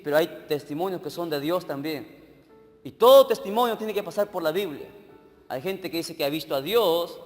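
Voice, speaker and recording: A male evangelist preaching a sermon, emphatic, often asking the congregation questions and swinging between loud and soft delivery. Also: high-pitched, in a large hall.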